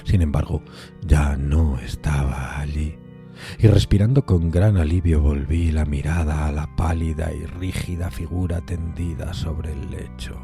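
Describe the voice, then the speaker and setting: A man giving a dramatic, theatrical literary narration of a gothic horror story, moving between hushed and emphatic phrasing. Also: extremely low pitch, steady tone, measured pace, music in the background. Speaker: podcast narrator reading a horror tale.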